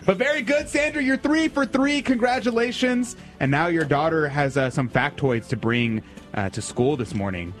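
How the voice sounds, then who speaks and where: A man's voice: fairly high pitch, lively intonation, normal speed, soft background music. A man hosting a call-in radio quiz, teasing and upbeat. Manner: teasing, playful quizmaster. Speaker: radio host.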